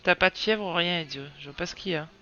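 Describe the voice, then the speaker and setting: A woman's voice: lowish voice, fast, pushed and bright, highs cut off, faint music behind. A woman streaming a game with casual commentary, soothing a crying child between remarks.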